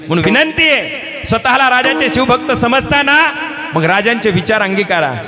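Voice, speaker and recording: A man preaching a devotional kirtan sermon, telling comic stories in an earnest tone and addressing the audience as elders. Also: high-pitched. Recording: echoey hall with live instruments.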